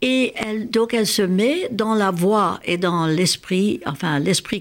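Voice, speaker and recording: A woman with a Hungarian accent speaks at a medium pitch and a fairly slow pace, with ordinary pitch variation. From Hungary (Budapest). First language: Hungarian (speaking French). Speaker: literature professor and author. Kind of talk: radio interview.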